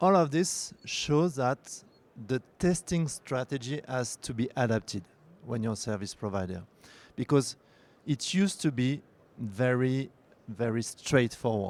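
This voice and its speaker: A man at a medium pitch with a French accent, lively intonation and a fairly slow pace, with long, frequent pauses, on a very clean recording with a silent background. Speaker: tech company executive. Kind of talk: conference presentation.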